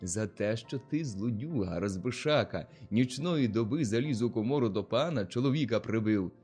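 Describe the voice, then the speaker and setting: A male narrator voicing an angry, bossy older village head who shouts orders. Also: mid-range voice, lively intonation, normal speed, faint music behind, natural voice.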